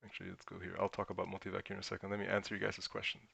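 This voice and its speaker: A man's voice: sits low, monotone, racing, creaky, pushed and bright, breathy edge, no room sound. A man from Germany whose first language is German, hosting a casual livestream and thinking aloud while he answers chat questions. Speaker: crypto livestream host.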